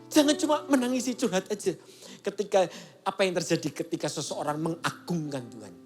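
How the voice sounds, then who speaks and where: A man's voice: very high voice, a bit bright. A male pastor giving a casual, conversational sermon and acting out the voices he quotes. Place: church service broadcast.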